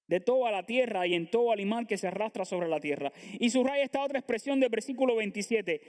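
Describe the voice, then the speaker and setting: Male pastor, high voice, earnest sermon delivery with rhetorical questions. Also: a little mellow. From Latin America. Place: church sanctuary.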